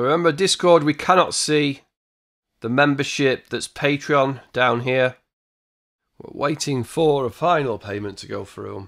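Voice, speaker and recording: Recorded very cleanly against a silent background, the speaker talks at a fairly slow pace in a Yorkshire accent, with big swings in loudness. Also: man, fairly high pitch for a man, ordinary pitch variation. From Yorkshire, northern England. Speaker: online business tutorial creator. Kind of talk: screen-share tutorial. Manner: casual, hesitant with fillers.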